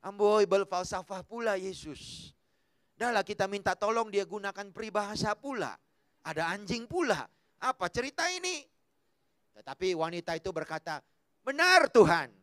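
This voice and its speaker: A man preaching an animated, humorous sermon, acting out voices and swinging between loud calls and quiet asides. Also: high-pitched, normal speed, no room sound, studio quality. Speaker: pastor. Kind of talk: lively sermon with acted-out quotes.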